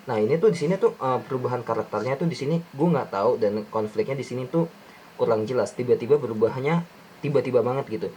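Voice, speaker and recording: A young man talks through a film breakdown in a loose, slangy way. He keeps restarting his sentences and reaching for words. His voice sits at an ordinary pitch, with faint noise in the background. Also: fast talker, a little mellow, rough recording. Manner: rambling, many restarts and fillers, slangy Jakarta-style speech. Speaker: film review YouTuber. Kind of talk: casual film breakdown commentary.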